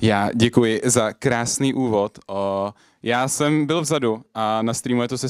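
The sound is dry with no echo. The background is quiet. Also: man. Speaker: slam poet. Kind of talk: warm-up talk to live audience. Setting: live stage with audience. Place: stage. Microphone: handheld.

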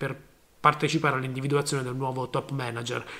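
Racing along at a very fast pace, a man speaks in a bright, sharp tone. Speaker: financial news presenter. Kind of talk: newsreading, brisk market-report bulletin.

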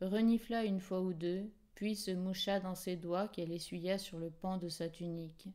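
A woman at medium pitch talks with monotone, flat intonation. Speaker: audiobook narrator. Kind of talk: literary audiobook reading, scripted narration with character dialogue. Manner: slow, measured, formal literary delivery.

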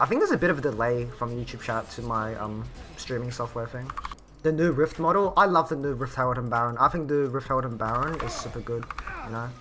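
Talking at a very fast pace with ordinary pitch variation, a man is heard over music in the background. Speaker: game streamer. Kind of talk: casual stream chat.

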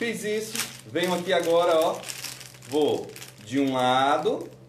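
A man talks at a very slow pace. Audible room echo and light background noise are present. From Brazil, Fortaleza (Ceará). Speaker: cake decorator teaching a class. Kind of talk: online tutorial. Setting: live online class. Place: kitchen. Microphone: phone near.

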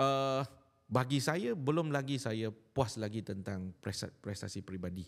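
Against a quiet background, the speaker talks at a fairly slow pace with lively intonation. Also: man, medium pitch for a man. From Malaysia, Johor; Malaysia. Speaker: state politician. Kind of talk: interview. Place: studio. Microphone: studio mic.

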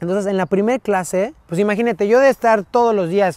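A man's voice is recorded with a dry sound and no echo. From Mexico City. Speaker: football journalist and former footballer; interview guest. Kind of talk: casual interview. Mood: animated storytelling. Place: garden. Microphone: lapel.

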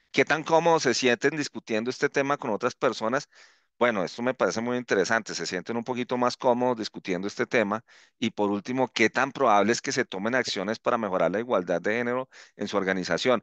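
Against a quiet background, a man speaks at a very fast pace with ordinary pitch variation, in a dry sound with no echo. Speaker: workshop trainer on sustainable finance. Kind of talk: online workshop presentation. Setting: video call. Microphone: headset.

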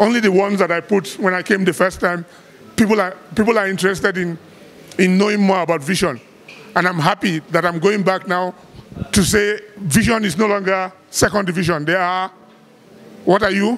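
Speaking at a fairly quick pace with a high pitch and fairly even intonation, a man leaves long, frequent pauses. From Nigeria. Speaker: club business partner. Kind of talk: speech at awards ceremony. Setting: stage with audience. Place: hall. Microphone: handheld.

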